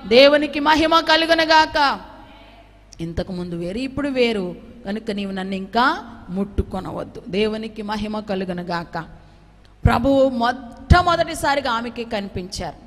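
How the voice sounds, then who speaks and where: A woman preaching a fervent sermon, often breaking into hallelujahs and moving between loud outbursts and soft, low asides. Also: moderate pace. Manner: fervent, punctuated by frequent hallelujahs. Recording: reverberant hall.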